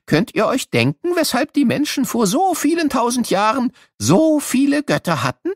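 A man's voice: very high-pitched, wildly swooping pitch, normal speed, no echo, studio quality, voice pushed up, exaggerated voice. A man voicing an eccentric, jokey old professor who playfully teases and quizzes children in an educational audio play. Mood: playful, teasing. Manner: playful, teasing, full of questions and chuckles.

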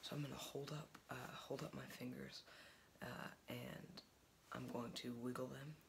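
A young man doing an ASMR doctor roleplay in a small home office, giving soft, partly whispered exam instructions with frequent hesitations into a laptop mic. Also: medium pitch, level tone, normal speed, gravelly, background noise. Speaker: ASMR creator playing a doctor.

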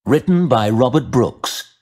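Slow, expressive male fantasy narrator. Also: medium pitch. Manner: measured, suspenseful, theatrical. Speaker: audiobook narrator. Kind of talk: dramatic scripted fantasy narration.

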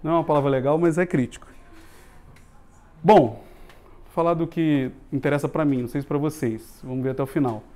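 A man's voice: fairly high pitch, brisk, pauses often. A man in his thirties with a Brazilian accent, giving a casual, jokey meetup talk in a small office room, recorded from a far camera. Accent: Brazilian Portuguese. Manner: informal, jokey, swears casually, lively hand gestures. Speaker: meetup speaker on UX.

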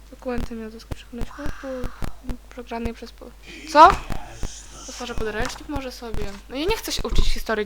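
A woman chatting casually and giggling as she plays through a video game, now and then letting out shrill shrieks. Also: noisy background. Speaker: let's play gamer. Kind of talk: casual gameplay commentary.

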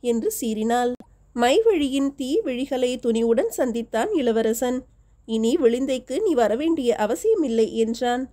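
A woman reads a historical novel as an audiobook, voicing every character's lines in her own steady voice. Her pitch is fairly high and her pace a little slow.

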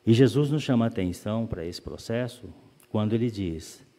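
A man giving a calm, explanatory spiritist lecture, often asking rhetorical questions. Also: on the low side, a little fast. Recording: long reverb of a hall.

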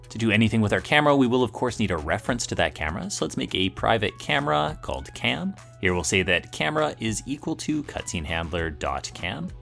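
A man's voice: lowish voice, vocal fry, a bit bright. A man presenting a tutorial in scripted screencast narration, explaining step by step.

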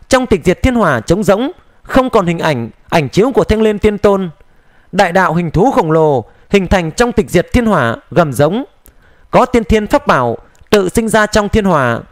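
A man narrating a fantasy novel as an audiobook in a smooth, steady storytelling manner. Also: sits high, no room sound, studio quality. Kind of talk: dramatized audiobook reading of a xianxia novel.

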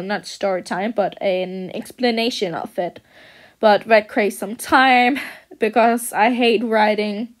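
A young woman from Denmark chats unscripted on her channel, stumbling through restarts and fillers. Her voice sits a little high, and she talks at an unhurried, slow pace. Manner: halting, many fillers and restarts. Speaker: channel host. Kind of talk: unscripted casual talk over a speed paint.

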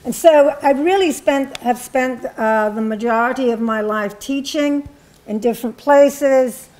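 An older woman from England, a panelist, speaking in a reflective, measured way about her past, with frequent ums and restarts, in a university hall. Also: high voice, a little mellow, slight background noise. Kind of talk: personal recollection at a panel talk. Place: university hall with a seated audience.

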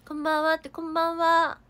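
A woman's voice: very high-pitched, a bit bright. A young woman with a Kansai accent chatting on a livestream, reading viewer comments aloud and thanking them, with a cough and a sore throat. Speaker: idol livestreamer. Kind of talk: casual livestream chat.

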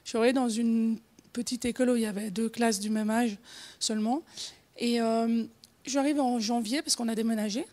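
At a moderate pace, a woman from Switzerland talks in a fairly high, steady voice with a darkish tone. In her forties and carrying a Genevan French accent, she gives a relaxed conference talk marked by hesitation, fillers, restarts and plenty of laughter.

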